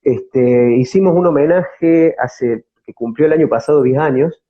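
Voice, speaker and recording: Speaking a little slowly in a fairly high voice, a Córdoba-accented Argentine man gives conversational answers as an interview guest who acts with a theatre company. The highs are cut off, and he searches for words, repeating them along the way.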